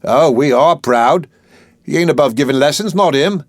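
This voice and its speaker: A man's voice: a little high, lively intonation, normal speed, no room sound, studio quality, pitched above the performer's own voice. A man voicing a proud, touchy young flower girl with a saucy, defiant manner.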